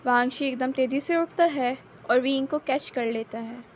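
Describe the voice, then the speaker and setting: Female story narrator, high pitch, steady plain telling, faint noise behind. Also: moderate pace. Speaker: fan fiction narrator. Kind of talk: narrating her own fan fiction.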